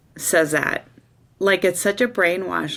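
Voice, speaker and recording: A woman speaks in an ordinary speaking voice at a fairly slow pace with ordinary pitch variation. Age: 60s. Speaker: coaching client. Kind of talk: testimony.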